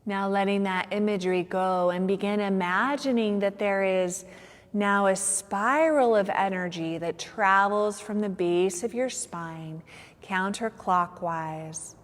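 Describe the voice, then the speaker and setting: A woman guiding a meditation as a yoga nidra teacher, soothing and unhurried, with long pauses between phrases. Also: mid-range voice. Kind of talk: guided meditation. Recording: long reverberant hall-like echo.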